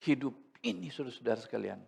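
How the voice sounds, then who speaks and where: Male pastor, gravelly voice, lively pitch, conversational sermon with humor. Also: fast talker. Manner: conversational preaching with humor and asides to the congregation. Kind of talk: Sunday sermon. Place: church service.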